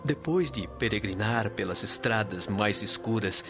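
A Brazilian man playing a gentle, devout early Christian preacher in a radio drama, with a reverent, oratorical, unhurried delivery. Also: on the low side, expressive. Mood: fervent, reverent. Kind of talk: dramatic radio soap acting. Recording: dull lo-fi radio drama recording. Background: loud dramatic music.

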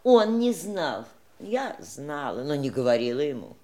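Animated, wistful mistress. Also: female voice, low voice, a little slow. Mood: defensive. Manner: theatrical, searching, with pointed irony. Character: dying man's wistful, sharp-witted mistress. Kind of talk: stage-style audio drama acting.

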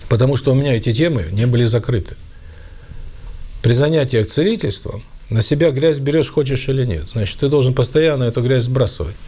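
A man's voice: mid-range voice, a little fast, dark tone, slight background noise. A man giving a spiritual talk to an audience, speaking with frequent fillers and restarts. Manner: hesitant, many fillers and restarts. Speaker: spiritual lecturer and author. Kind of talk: lecture with audience questions.

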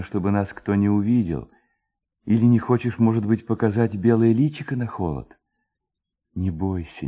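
A man's voice: lowish voice, dark tone, slightly rough, pitched above the performer's own voice. A man voicing an ardent, proud young Cossack lad, pleading with theatrical tenderness in a storybook reading.

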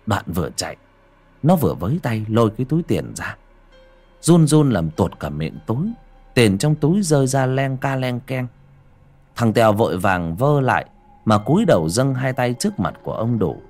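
A man narrating a horror story dramatically, dropping to a hushed, slow delivery for suspense. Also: medium pitch, very animated, faint music behind.

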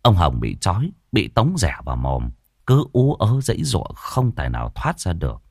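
A man narrating a ghost story in a dramatic, animated way. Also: low voice, normal speed, gravelly, dry recording, studio quality.

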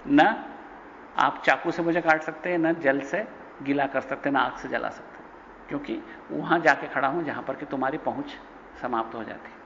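A man giving a spiritual lecture, telling stories and acting out the quoted speech with sudden pitch jumps. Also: fairly bright tone. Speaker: spiritual teacher. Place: ashram hall. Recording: dull lo-fi recording with long reverb and faint noise.

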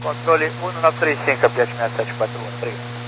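A man's voice: on the high side, quick pace. A Brazilian-accented man talking as an airline pilot over the radio to air traffic control. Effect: aviation radio. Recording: noisy humming aviation radio link.

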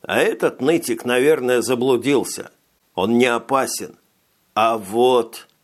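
A man voicing a small, frail male alien telepath who talks slowly and quietly in an audiobook. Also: medium pitch, close to an everyday voice. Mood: tense.

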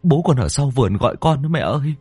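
A man's voice: mid-range voice, expressive, fast, mellow, breathy edge, no echo, voice pushed up. A man voicing a terrified young village husband who stammers in panicked whispers.

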